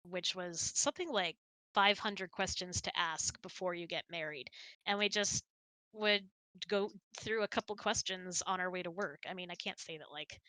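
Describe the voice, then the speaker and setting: Woman host doing a chatty informal q&a, bright voice, really dry close sound. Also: on the low side, normal speed, dry recording, rough recording. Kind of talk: casual chat answering listener questions.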